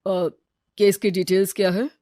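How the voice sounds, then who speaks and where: A woman voicing a stern but kind grown man who is a doctor in a cartoon story, speaking firmly and quietly. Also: little pitch movement, moderate pace, no room sound, studio quality, lightly acted. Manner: firm, commanding, low-key.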